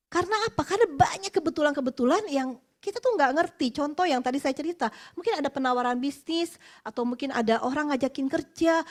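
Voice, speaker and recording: Woman in her 40s from west java, high voice, chatty expressive church testimony, laughs between points. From West Java, Indonesia. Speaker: guest speaker at an office worship meeting. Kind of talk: personal testimony sermon.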